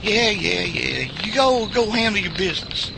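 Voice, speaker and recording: A man's voice: high-pitched, sing-song, moderate pace, full character voice. A man playing a sarcastic, hot-headed backwoods fellow with a twangy Southern US accent in an audio drama. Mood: sarcastic, complaining. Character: hot-headed, sarcastic rural Southern good ol' boy. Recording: clear outdoor ambience noise behind voice.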